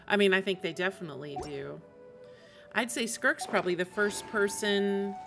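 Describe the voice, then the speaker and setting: A woman live-streaming a video game, chatting informally and thinking aloud in a rambling way. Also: lowish voice. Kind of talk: casual chat while streaming a game. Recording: music behind the voice. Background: video game music.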